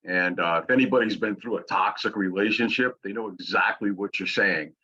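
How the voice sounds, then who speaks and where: Low-voiced co-host, bright tone, lo-fi. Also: male voice, a little fast, husky. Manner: earnest, hesitant, many fillers. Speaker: podcast co-host. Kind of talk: casual feedback chat. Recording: dull lo-fi audio.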